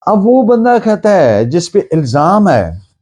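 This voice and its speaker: A man with a Pakistani accent teaches law in a soft, mellow voice that sits slightly high for a man. He explains step by step, asking questions and then answering them. He shifts into careful English for legal phrases. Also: very animated. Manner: switches to slow, deliberate English for legal phrases. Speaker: law lecturer. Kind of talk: explanatory law lecture with worked examples.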